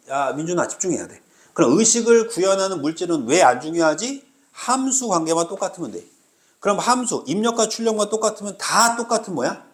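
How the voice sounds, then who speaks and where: Lively high-voiced male lecturer. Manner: drills students with constant rhetorical questions. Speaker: Korean language teacher. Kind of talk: recorded exam-prep lecture.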